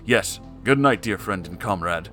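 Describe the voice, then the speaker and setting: A man voicing a frantic young male sidekick in a high, pleading, overwrought tone. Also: lively intonation, normal speed, sharp tone, soft background music.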